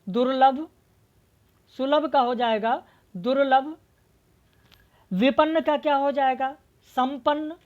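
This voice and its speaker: A woman with a high voice teaches an exam-prep lesson at an unhurried pace. She poses a question, pauses, then gives the answer herself and repeats it. The recording sounds a little dull and lo-fi. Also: darkish tone. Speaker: Hindi literature teacher.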